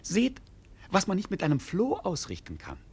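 A man playing an idle, roguish wandering fool in a German radio play, declamatory and playful, with a husky voice. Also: sits high, huge pitch swings, normal speed, heavily acted. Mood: mock-earnest rambling. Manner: declamatory, playful, sometimes sing-song.

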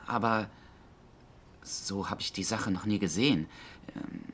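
A man's voice: lowish voice, a little slow, husky. A man playing a defensive, idealistic environmental activist under questioning in a crime radio drama, evasive and easily indignant. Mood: uneasy. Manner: evasive, indignant, hesitant when pressed.

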